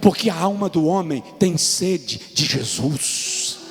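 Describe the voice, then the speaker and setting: A Brazilian man with a Brazilian Portuguese accent preaching a sermon as a pastor. He tells personal stories and swings between hushed appeals and shouted peaks. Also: a little high, lively intonation, slow. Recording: long reverb with music underneath. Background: soft music.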